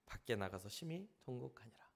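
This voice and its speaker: A man from Jeolla, South Korea, preaching as a pastor at a youth service, animated and acting out the people he describes. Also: medium pitch, fairly quick, gravelly, slightly rough. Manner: animated, acts out the lines of the people in the story.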